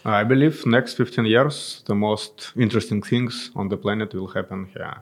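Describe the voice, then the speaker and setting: A man with a Russian accent gives conversational interview answers in a fairly low, creaky voice. He is a native Russian speaker, so his English comes out halting, with non-native phrasing. He sounds like a business founder explaining his choices. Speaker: guest, tech company founder and CEO.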